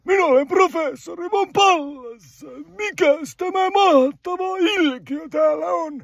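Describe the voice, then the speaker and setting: A fussy professor from a storybook, pitched way up high. He speaks in drawn-out, soothing phrases with polite curiosity. The sound is dry and close. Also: creaky, no room sound, recorded from a distance. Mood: calming, curious. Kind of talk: children's fairy-tale character voice.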